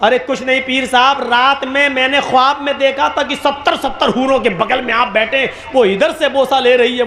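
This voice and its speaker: A man's voice: extremely high pitch, sharp tone, exaggerated voice. Man doing a sulky, grumbling disciple. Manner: grumbling, deflated. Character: glum, sulking male disciple of a holy man.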